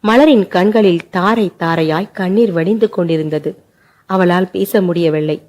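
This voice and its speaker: A woman narrating an emotional family short story with an unhurried, emotive delivery. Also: fairly low pitch, darkish tone.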